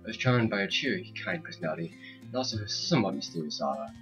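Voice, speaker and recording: A man's voice: lowish voice, lively intonation, quick pace, voice pushed down, natural voice. A man voicing a lovestruck, earnest teenage schoolboy, reading game narration in a subdued way. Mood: wistful, smitten. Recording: dull lo-fi mic with game music.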